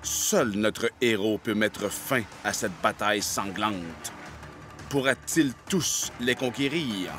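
A man's voice: fairly low pitch, animated, slow pace, a bit bright, faint music behind, voice pushed down. A man voicing an ominous, dramatic announcer for a science-fiction film trailer. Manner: dramatic, portentous.

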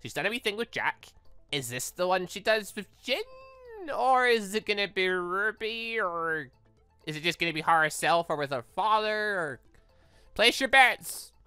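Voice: medium pitch, expressive, normal speed, sharp tone, clear, resonant tone, faint music behind. A gaming host doing let's-play commentary, reading visual novel dialogue aloud with exclamatory, playful asides.

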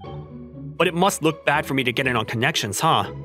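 Exasperated, animated young office guy, played by a man. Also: medium pitch, moderate pace, soft background music. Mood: skeptical. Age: young adult. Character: flustered, skeptical young office worker at matchmaking meeting. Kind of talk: manga dub acting with inner narration.

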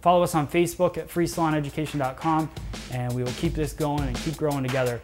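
A man's voice: fairly high pitch, steady tone, quick pace, soft background music. A young man, a salon owner and hairdresser, giving casual business tips to camera in a salon, chatty with many fillers and restarts. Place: hair salon indoors, seated.

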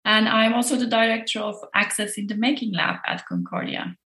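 A woman's voice: a little high, brisk, sharp tone, echoey room. A woman in her early forties from Turkey, a professor, answering interview questions thoughtfully from her office. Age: early 40s. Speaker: professor and lab director.

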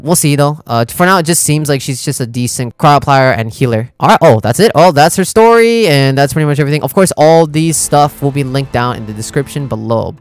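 A young man reacting to game content as a streamer, reading bits aloud and thinking out loud in an informal way. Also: a little high. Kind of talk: casual reaction commentary, partly reading aloud.

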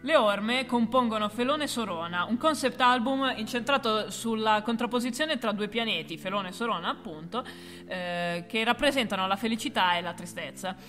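Woman, co-host, scripted music explainer, deadpan irony, bright crisp tone, long room reverb with faint music. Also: fairly high pitch, normal speed. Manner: deadpan, ironic asides. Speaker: co-host of a music history video. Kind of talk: scripted explainer with playful banter.

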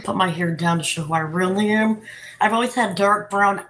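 A woman's voice: medium pitch, moderate pace, fairly bright tone. A woman in her thirties on a rambling live stream from a cluttered hotel room, sassy and defensive as she talks to her chat. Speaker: livestreaming vlogger. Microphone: phone camera close up.

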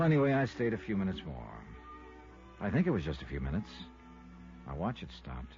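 An American man playing a tough, sardonic but soft-hearted investigator in a 1950s radio drama, with clipped, wry delivery. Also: lowish voice. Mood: brisk narrating. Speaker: lead actor and narrator. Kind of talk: 1950s radio detective acting. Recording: dull, muffled vintage radio recording.

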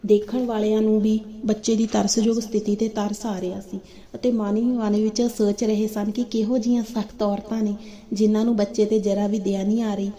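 A woman reading a moral story for children aloud in a steady, even delivery. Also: mid-range voice. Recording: dull lo-fi recording.

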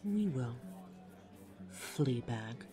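A man's voice: mid-range voice, very animated, extremely slow. A man playing a courteous but snide vampire barista in an audio roleplay, polite, dry and teasing. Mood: dry, civil. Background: music behind the voice.

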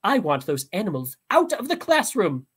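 A woman voicing an indignant, overprotective mother who prattles on in a shrill, outraged way. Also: wildly swooping pitch, normal speed, breathy edge.

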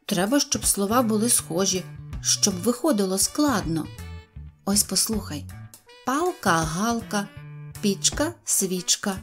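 A woman's voice: medium pitch, animated, slow pace, faint music behind. A woman voicing a fussy, self-important tiny poet man who lectures in a teacherly way. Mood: lecturing.

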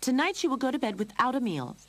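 Woman acting a mother cat, stern, worried, emphatic, high, storybook character. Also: sing-song, brisk, slightly rough. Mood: angry, strict.

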